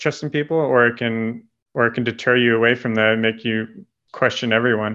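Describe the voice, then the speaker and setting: A man talks at a moderate pace with a medium pitch. He has a normal speaking voice. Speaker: podcast co-host. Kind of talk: casual podcast chat.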